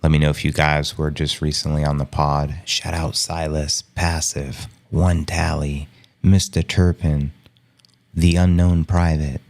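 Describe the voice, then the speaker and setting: A man hosting a live stream, talking in a casual, hushed, low-key way and chuckling often. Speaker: livestream host. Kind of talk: casual live market commentary.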